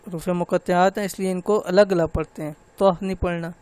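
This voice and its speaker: A man's voice: high-pitched, fairly even intonation, a little mellow, clear, resonant tone, dry recording. A man teaching a tajweed lesson to women, explaining patiently step by step and drawing out the letters as he recites them.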